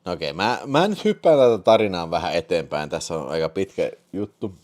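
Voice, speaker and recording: A man with a low voice hosts a live stream and reads a story aloud. His delivery is mock-serious, with amused asides in between. His intonation is lively and swings widely. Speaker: host of a live film show. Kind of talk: live stream chat and comic reading aloud.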